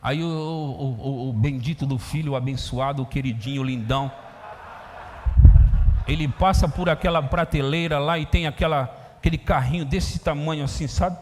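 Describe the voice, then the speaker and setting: Animated Brazilian pastor in echoey church. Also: male voice, fairly high pitch, moderate pace, slight background noise. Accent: Brazilian Portuguese. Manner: storytelling, animated, acts out scenes. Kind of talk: sermon.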